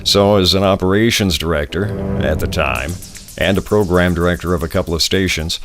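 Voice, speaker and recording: A middle-aged American man delivering scripted promotional narration in a polished announcer style, pitching himself as a voiceover and radio professional. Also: fairly quick. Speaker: voiceover artist and radio production director. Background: music bed under the voice.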